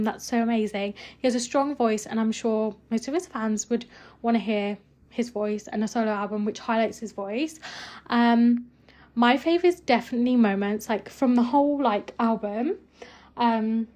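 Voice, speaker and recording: Young woman, slightly high voice, casual filler-heavy podcast reviewer. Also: darkish tone. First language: Punjabi not first language. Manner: chatty, many fillers like "um" and "like". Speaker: music reviewer.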